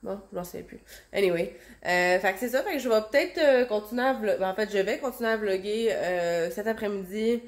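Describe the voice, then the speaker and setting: Her nose stuffed up from a cold, a thirty-something vlogger and stay-at-home mom rambles to her handheld phone at home, filling the chat with fillers. She has a Québécois French accent. Her mid-range voice moves fairly quickly.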